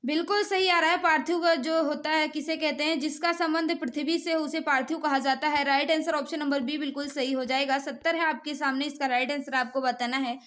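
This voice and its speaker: A woman's voice: sits high, fairly even intonation, a little fast, hardly any pauses, a bit bright. An Indian woman teacher running a live exam quiz, reading out questions and answers in a repetitive, instructional way and prompting students.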